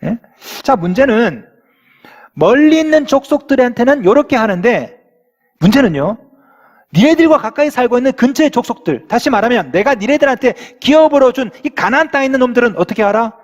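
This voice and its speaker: A man's voice: very high-pitched, lively intonation, a little fast. A male pastor preaching a sermon in a church, reading scripture aloud and putting questions to the congregation. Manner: asks the congregation rhetorical questions. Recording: long hall reverb in a church.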